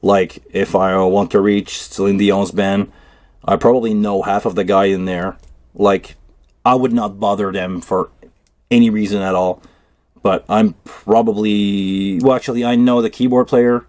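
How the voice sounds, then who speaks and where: A native French speaker with a Quebec accent hosts a casual tech livestream, rambling and thinking aloud as he builds a cable. His voice is fairly low, a little mellow and mostly flat in pitch, with a measured pace and no echo.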